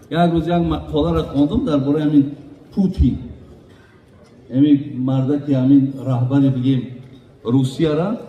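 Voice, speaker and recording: A man with a Tajik accent delivers an earnest wedding sermon, calling his listeners brothers as he preaches. His voice sits a little high but sounds mellow. He is recorded from far off, and a long reverb rings through the large hall.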